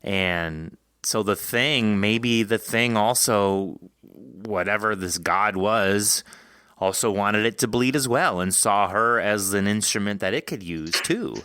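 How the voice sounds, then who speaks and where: A man's voice: lowish voice, slow pace, sharp tone, clear, resonant tone. A man hosting a podcast, thinking aloud with enthusiasm as he casually discusses a story with a guest. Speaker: podcast host interviewing an author.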